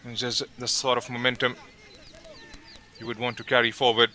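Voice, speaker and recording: Male football commentator, very bright voice, middle pitch, steady play-by-play calls. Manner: steady, measured calls with brief pauses between names.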